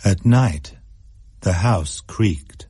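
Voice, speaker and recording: A man narrating a spooky story in a measured, suspenseful way. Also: deep voice, expressive, mellow, slightly rough, no echo, clean studio sound.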